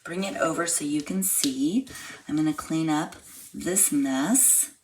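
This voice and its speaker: A woman with a slightly hoarse, froggy voice, chatting step by step through a live card-making class. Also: deep voice, unhurried, darkish tone, a little hiss or hum, low-quality recording. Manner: chatty step-by-step explaining while crafting. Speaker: craft class instructor. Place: home craft room.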